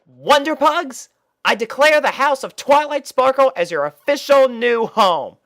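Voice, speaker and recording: A man's voice: extremely high pitch, expressive, a little slow, a bit bright, voice pushed up, exaggerated voice. A man voicing a brash, confident young female cartoon pony who talks in an emphatic, exclamatory way. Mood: proud, breezy.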